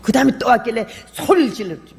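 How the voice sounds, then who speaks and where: An older woman missionary preaching a sermon, telling her own story with lively acted-out voices and sudden shouts. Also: on the high side, fast, vocal fry. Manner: animated storyteller, acts out quoted voices, bursts into shouts. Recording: long hall reverb.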